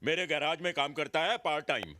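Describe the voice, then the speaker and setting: An actor playing a protective, sarcastic Sikh garage owner in a Hindi film scene. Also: male voice, a little high, lively intonation, a little fast, sharp tone, no echo.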